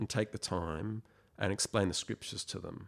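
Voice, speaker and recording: Speaking with an Australian accent, a man comes through on a very clean recording. The background is silent. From Australia, Sydney. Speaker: campus ministry staff worker. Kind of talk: casual interview chat.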